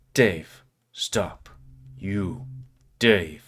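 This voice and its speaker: This man puts on a gruff, growling character voice pitched fairly low. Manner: commanding.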